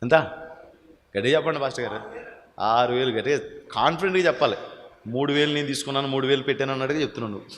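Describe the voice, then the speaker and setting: Male pastor, Telugu accent, preaching in a reverberant church hall; a bright, forceful voice that quizzes the congregation. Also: mid-range voice, quick pace, pauses often, slight background noise. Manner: calls out questions to the congregation, urging loud answers. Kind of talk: sermon. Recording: echoey hall with long reverb.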